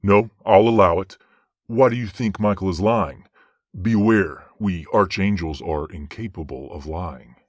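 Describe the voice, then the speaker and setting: Man playing a low-voiced stern archangel judge. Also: no echo, muffled recording. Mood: measured, probing. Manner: formal, measured, authoritative. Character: stern, fair male archangel presiding over a trial. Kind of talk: fantasy audio drama acting.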